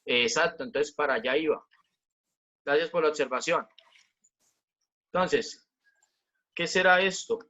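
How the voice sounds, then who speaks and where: A man's voice: fairly high pitch, measured pace, pauses often, sharp tone, muffled recording. A man teaching a physics class online, explaining step by step, repeating key points and asking the students questions.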